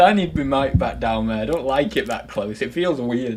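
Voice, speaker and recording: With an English accent, a man speaks using very wide pitch swings. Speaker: eBay reselling youtuber. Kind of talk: live stream chat. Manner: loud; animated. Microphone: new dynamic mic, too quiet unless close.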